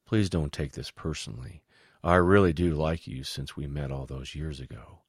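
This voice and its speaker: A man playing a smug, treacherous villain in an audiobook story, with a casual, measured, smirking manner. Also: rumbling low, husky, dry recording, clean studio sound. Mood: calm, dismissive.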